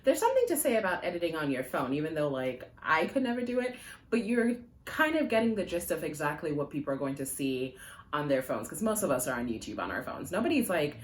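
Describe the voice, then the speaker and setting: A woman's voice: low-pitched, very animated, fast. A woman whose first language is Jamaican Patois, chatting to a phone camera at home in a rambling vlog with many fillers and frequent laughs. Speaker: personal finance vlogger. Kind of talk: casual vlog talk to camera. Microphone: phone camera on tripod.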